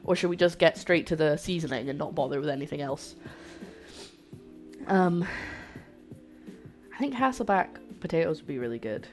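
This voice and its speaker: A woman's voice: sits low, lively intonation, normal speed, pauses often, faint music behind. Chatty woman with a light Scottish accent. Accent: light Scottish-English mix. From Scotland. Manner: chatty, rambling, talks to chat. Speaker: cooking streamer. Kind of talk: casual live-stream chat while cooking. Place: home kitchen.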